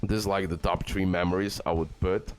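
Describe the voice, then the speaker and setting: A man's voice: low voice, fairly even intonation, fairly quick. A man giving casual game guide commentary, enthusiastic and full of fillers. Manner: enthusiastic, repeats "guys" and "okay", filler-heavy. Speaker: gaming YouTuber. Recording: faint background music.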